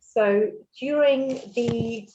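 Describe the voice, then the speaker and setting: A woman's voice: on the high side, very slow, dark tone. Swiss woman presenting over a muffled call. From Switzerland. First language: German. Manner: friendly, with fillers and small laughs. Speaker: mortgage broker presenting a webinar. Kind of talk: webinar presentation. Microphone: video call.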